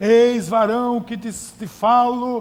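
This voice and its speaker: A man puts on a hoarse character voice at an extremely high pitch. He drags it out at a very slow pace in a monotone, flat intonation. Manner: solemn, archaic.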